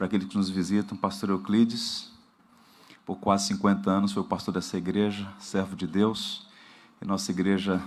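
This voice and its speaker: With a Brazilian accent, a man speaks at a fairly quick pace in a fairly low pitch and a monotone, flat intonation. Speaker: pastor. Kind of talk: church announcements. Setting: church service.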